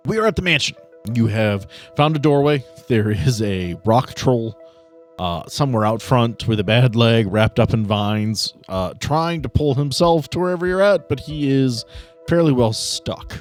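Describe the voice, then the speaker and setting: A man's voice: medium pitch, measured pace, faint music behind. A man running a tabletop game, blunt and teasing, moving between casual chat and improvised narration. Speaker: game master.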